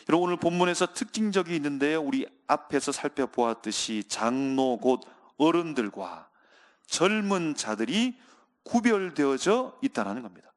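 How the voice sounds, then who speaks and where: A male pastor delivers a Sunday sermon in a fairly high voice. He speaks earnestly, addresses the congregation often, and drags out key words for emphasis.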